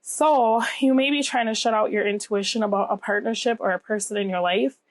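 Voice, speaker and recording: Slightly nasal and scratchy from a cold she's recovering from, this tarot reader and channel host talks conversationally, often checking in with whoever's listening. The recording is dry, and her medium-pitched voice stays fairly even in intonation at a slightly quick pace.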